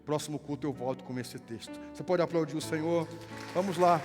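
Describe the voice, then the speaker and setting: A man from southern Brazil with a gaúcho accent, a pastor leading prayer and giving notices in church. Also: fairly high pitch. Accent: gaúcho Brazilian Portuguese. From Rio Grande do Sul, Brazil. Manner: fervent, drawn-out prayer lines, playful banter. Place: church sanctuary with worship music. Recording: reverberant hall with music behind.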